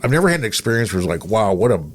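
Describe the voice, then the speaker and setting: A middle-aged American man hosting a casual chat show, rambling through anecdotes with hesitant pauses. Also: lowish voice, very animated, a little hiss or hum. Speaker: podcast host, radio veteran.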